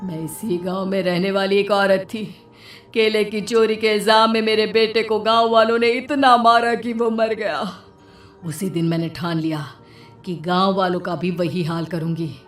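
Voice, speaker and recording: A vengeful cartoon witch, as a woman puts her on, drawn-out and gloating, breaking into cackles. Her pitch sits in a middle range. Faint music plays behind her. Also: steady tone, distant mic, lightly acted. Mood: bitter. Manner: slow, cackling, menacing. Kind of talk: storybook cartoon voice acting.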